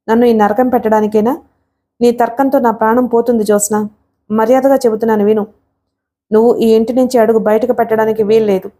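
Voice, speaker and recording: A woman reading the part of an angry young husband caught between his wife and his mother, speaking fast and heated. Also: a little high, close to an everyday voice. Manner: shouting in frustration, rapid.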